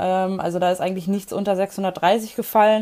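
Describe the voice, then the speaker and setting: At a moderate pace, a woman speaks in a plain, everyday voice at medium pitch. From Lower Saxony, Germany (Harz foreland, Goslar). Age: 20s. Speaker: competitive rifle shooter. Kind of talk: interview. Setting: at home, remote call.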